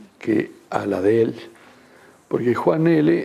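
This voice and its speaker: Slowly, at a very slow pace, a man speaks in a dark, mellow tone. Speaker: interviewee, friend of the poet. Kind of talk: interview testimony.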